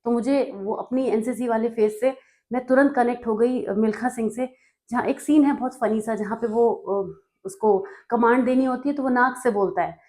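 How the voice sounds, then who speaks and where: A woman's voice: on the high side, normal speed, a little mellow. A woman from North India, working as a tutor, explains study notes in a conversational way and often checks in with her listeners.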